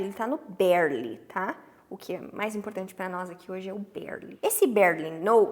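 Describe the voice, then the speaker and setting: Brazilian woman teacher explaining english, kinda high voice, super animated, checks in with "tá?" all the time. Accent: Brazilian Portuguese. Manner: animated, stretches English examples slowly, frequent "tá?" check-ins. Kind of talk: lively explanatory lesson.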